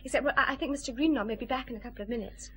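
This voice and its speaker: A woman's voice: high voice, rapid-fire, sharp tone, husky, exaggerated voice. An actress playing a nervous, eager young switchboard operator in a radio drama, Scottish accent, hesitant speech. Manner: hesitant, flustered, many uh's.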